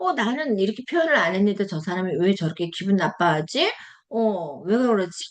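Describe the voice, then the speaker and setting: Speaking at a moderate pace and medium pitch, a woman uses lively intonation. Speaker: professor. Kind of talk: lecture. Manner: clipped, sharp delivery.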